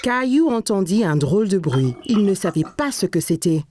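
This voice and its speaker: A woman's voice: mid-range voice, big pitch swings, normal speed, noisy background, lightly acted. A woman narrating a scripted children's cartoon story in a storybook manner for young listeners.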